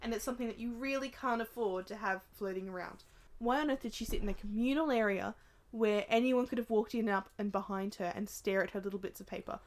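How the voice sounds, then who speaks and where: A woman's voice: medium pitch, quick pace. A woman co-hosting a podcast, chatting casually and ranting in exasperated rhetorical questions. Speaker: podcast co-host. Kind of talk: casual chat.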